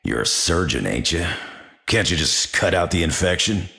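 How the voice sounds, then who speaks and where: A burly, gruff video game brawler in middle age. His voice sits extremely low and crackles with gravel. He talks in blunt, folksy slang. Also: sing-song, normal speed, pushed and bright, exaggerated voice. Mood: gruff, needling. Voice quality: gravelly growl.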